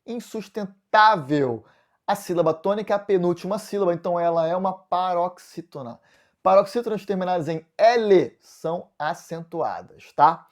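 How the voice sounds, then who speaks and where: Brazilian man teaching grammar with lively stresses. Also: high-pitched, moderate pace. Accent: Brazilian Portuguese. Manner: explains step by step, asks and answers his own questions. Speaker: Portuguese teacher. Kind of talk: video lesson solving exam questions.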